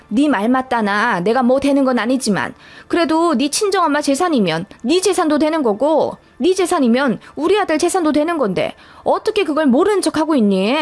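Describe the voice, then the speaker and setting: A prying, scheming older mother-in-law, read by a woman, high-voiced and insinuating. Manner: prying, self-justifying, insinuating.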